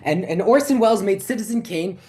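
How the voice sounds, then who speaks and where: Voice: medium pitch, normal speed, a little mellow, close to an everyday voice. A performer playing a flustered, forgetful lecturer who stammers and repeats words through a comic stage monologue. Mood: excited, gathering steam.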